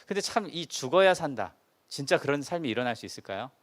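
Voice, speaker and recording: A male pastor preaching a sermon and retelling a story, putting rhetorical questions to the congregation in an animated way. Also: on the high side, quick pace. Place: church service.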